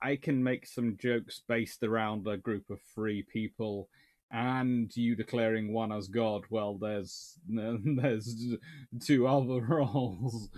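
A man in his thirties hosting a casual livestream from his home study, reading out viewer comments and rambling through answers with restarts. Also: on the low side. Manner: rambling, animated, with many restarts and fillers. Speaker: naval history livestream host. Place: small home study with shelves of books.

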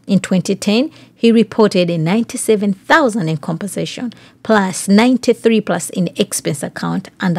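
A podcast host with a mid-range voice and no echo reads news aloud and comments on it. She addresses the listener directly with questions.

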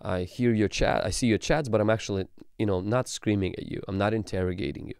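A man in his thirties, a pastor, teaching calmly on a livestream into a studio mic in a small room, with frequent ums. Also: on the low side, quick pace, vocal fry, smooth, no room sound. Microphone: studio mic on boom arm.

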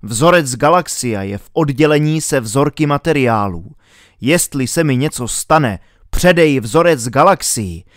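A man's voice: medium pitch, animated, no room sound, studio quality, lightly acted. A man doing a talking bird with a captain's voice. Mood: urgent.

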